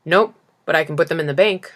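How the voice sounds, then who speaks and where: A woman voicing a peevish, self-important businessman in a storybook, brisk and insistent in manner. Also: low voice, a bit bright. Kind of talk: storybook character reading.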